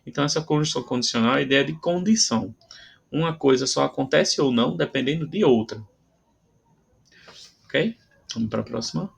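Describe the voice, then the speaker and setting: A man's voice: mid-range voice, brisk, gravelly, long pauses, slightly rough. A man with a Brazilian Portuguese accent teaching a grammar lesson, explaining patiently and checking in with frequent "tá?" between examples.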